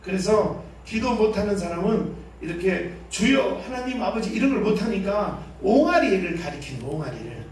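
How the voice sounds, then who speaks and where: High-voiced man preacher yelling in a big church, booming echo, far off mic. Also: normal speed, a little hiss or hum. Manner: loud, shouted cries of prayer, animated and joking. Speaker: pastor leading a revival seminar. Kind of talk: revival sermon with call-and-response. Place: large church hall. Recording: echoey hall, voice from far off.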